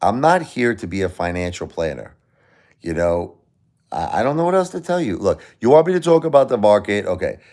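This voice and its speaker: A deep-voiced man from the United States chatting loosely on a livestream. He rambles, repeats himself and often restarts his sentences, and he speaks directly to the people watching. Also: big pitch swings, fairly quick, a little mellow. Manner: rambling, repeats and restarts, talks straight to viewers. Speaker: livestream host. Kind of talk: casual livestream chat.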